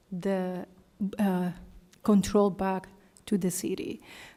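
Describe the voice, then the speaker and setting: With a non-native accent, a woman of medium pitch speaks fairly slowly in a dark, mellow tone. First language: not English. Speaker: school board member. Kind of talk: public meeting remarks. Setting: board meeting. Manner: hesitant, many fillers.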